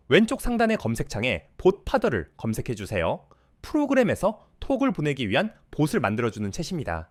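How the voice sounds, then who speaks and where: Calm man with very lively intonation. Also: mid-range voice, no room sound, studio quality. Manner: calm, step-by-step polite instructions. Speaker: coding course instructor. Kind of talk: scripted tutorial voice-over.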